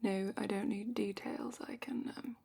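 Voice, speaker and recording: A woman playing a calm, probing dragon-academy examiner in a whispered ASMR roleplay, speaking softly and deliberately with thoughtful pauses. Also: mid-range voice, full character voice. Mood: probing, musing. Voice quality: soft, breathy whisper.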